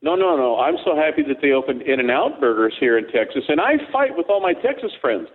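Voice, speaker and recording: A man's voice: a little high, sing-song, a little fast. Joking man on a tinny phone line. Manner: rambling, joking storyteller. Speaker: co-host. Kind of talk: casual radio talk.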